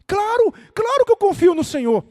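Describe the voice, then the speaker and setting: A man playing a panicked young man dangling from a branch and shouting frantically for help. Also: very high voice, sing-song, moderate pace, voice pushed up. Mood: frantic, pleading.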